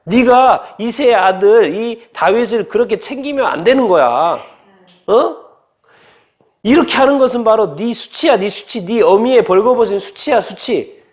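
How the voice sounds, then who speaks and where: A man's voice: high voice, expressive, moderate pace, gravelly. A male preacher voicing an angry older king who berates his son. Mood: raging. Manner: shouting and scolding. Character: furious older king, a raging father.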